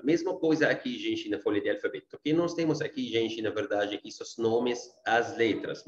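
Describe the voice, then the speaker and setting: A man's voice: mid-range voice, echoey room, muffled recording. Man teaching with an Arabic accent. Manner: repeats himself, checks in often with tá and gente. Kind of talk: online language lesson.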